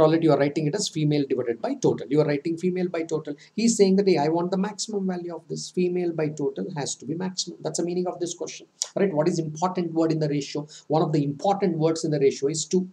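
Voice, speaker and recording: A man's voice: on the high side, dark tone. A man teaching a live online exam-prep lecture, pressing students with rhetorical questions and repeating key points for emphasis.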